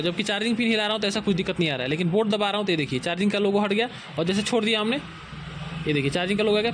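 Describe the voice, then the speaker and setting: High-voiced Indian man teaching phone repair. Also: fairly bright tone, a little hiss or hum. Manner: explains step by step, often says "look here carefully". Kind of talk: hands-on repair tutorial. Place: repair workbench with a microscope.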